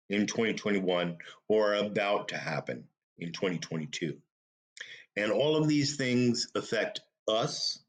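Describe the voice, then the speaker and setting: A man hosting a talk show, giving opinionated commentary in an emphatic way with rhetorical questions and short, punchy repeats. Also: fairly low pitch.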